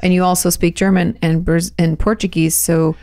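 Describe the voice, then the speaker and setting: Telling chatty stories that trail off and restart, this thirtysomething podcast co-host speaks at a moderate pace in a low, warm, flat voice. She's in a small home studio with a boom-arm mic and headphones, and there's no room sound.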